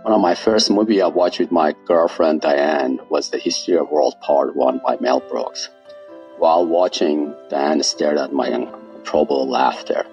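A man's voice: very deep voice, normal speed, darkish tone, muffled recording, faint music behind. An older man from Iran with a Persian accent, reading his own personal essay with dry, wry humor.

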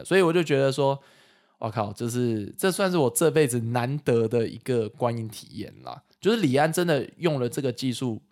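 A man with a Taiwanese accent chats casually as a co-host. He explains things with earnest enthusiasm in an average-pitched male voice. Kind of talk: casual chat.

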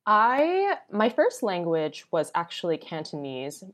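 Podcast guest: American woman, low register, chatty first-person storytelling with acted-out quotes. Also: huge pitch swings, slow. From Boston, United States. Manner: conversational, often uses "like", acts out quoted remarks. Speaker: podcast guest, travel blogger. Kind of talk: casual personal storytelling in interview.

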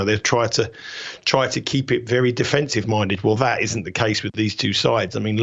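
A man, hoarse and croaky from a cold, giving soccer betting analysis as a guest with many fillers and restarts. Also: lowish voice, fairly bright tone. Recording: dull lo-fi remote line.

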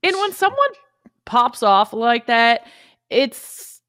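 Woman, podcast co-host, casual chat, frank, slightly high voice. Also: very animated, slow pace, fairly bright tone, dry recording, clean studio sound. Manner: frank, exasperated.

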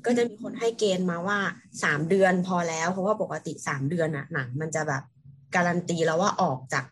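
A woman in a casual podcast chat who tells anecdotes at length in a measured way. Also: lowish voice.

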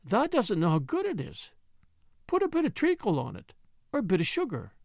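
A chatty, outspoken young housemaid with a broad way of talking, done by a man reading a storybook aloud, pitched up high with a lively, bouncing lilt. She rattles on in a plain, homely manner, and the sound is close and dry. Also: moderate pace, creaky, no room sound, exaggerated voice. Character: chatty good-tempered young Yorkshire housemaid. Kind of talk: audiobook character voice.

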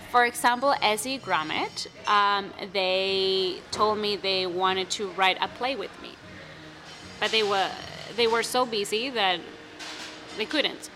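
A young woman with a bright, clear voice talks about writing her first play. English is her second language, and she restarts often in an animated, casual way. Faint music plays underneath. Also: mid-range voice, slow, rough recording. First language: not English. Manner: animated, many restarts and fillers. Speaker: playwright guest. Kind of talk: casual interview answers.

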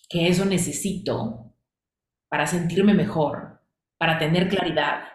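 A woman coach teaches a class, stacking questions and repeated phrases to drive each point home. Her voice sits slightly low. It rings in an echoey room. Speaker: coaching instructor.

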